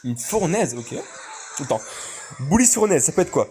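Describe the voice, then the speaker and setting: A man doing live gameplay commentary with casual, slangy chat, excitable and repetitive, swinging into high-pitched exclamations. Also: normal speed, background noise. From Congo. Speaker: video game streamer.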